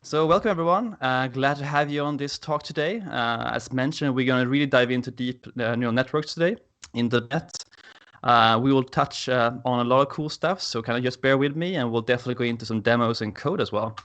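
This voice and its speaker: A man with a Swedish accent walks through a technical talk on a video call. He sounds eager and keen about his subject, and he fills his pauses with "uh". His voice sits at an ordinary middle pitch. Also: fairly bright tone. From Sweden. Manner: enthusiastic, frequent "uh" fillers. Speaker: conference speaker. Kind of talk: technical presentation.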